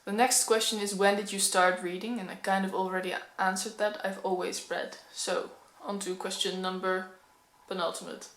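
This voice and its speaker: Young Dutch-accented woman, casual book vlog to camera, candid and slightly nervous, mid-pitched voice, roomy echo. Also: flat delivery, normal speed, hardly any pauses, a bit bright. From Netherlands. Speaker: book vlogger. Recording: echoey room.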